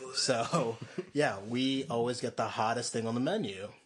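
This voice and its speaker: At a moderate pace, a man talks in a normal speaking voice with an American accent and medium pitch. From Philadelphia, of Indian heritage. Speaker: podcast co-host. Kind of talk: casual chat.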